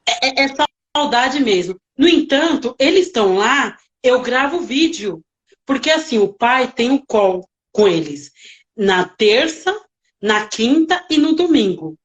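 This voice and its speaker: High-voiced animated woman telling stories. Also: a little slow, muffled recording. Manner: animated, lively reenactments, emotional. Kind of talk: casual interview storytelling.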